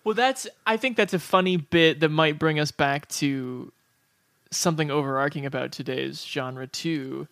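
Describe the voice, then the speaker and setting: A man with a slightly high voice, recorded dry with no room sound. He co-hosts a casual film discussion, analysing in a discursive way as he thinks aloud. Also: moderate pace, vocal fry, a bit bright, no echo. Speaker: podcast co-host discussing films.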